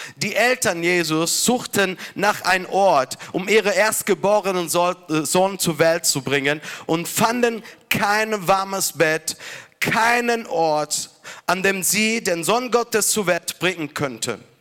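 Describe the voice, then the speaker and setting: Over noticeable background noise, a man speaks very slowly at a high pitch, with ordinary pitch variation. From Italy. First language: Italian (speaking German). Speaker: pastor. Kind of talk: sermon. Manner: halting.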